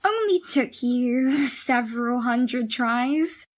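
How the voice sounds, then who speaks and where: A woman's voice: fairly high pitch, expressive, slow. A woman playing a stern, bossy, condescending young twin sister in an audio drama. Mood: dry.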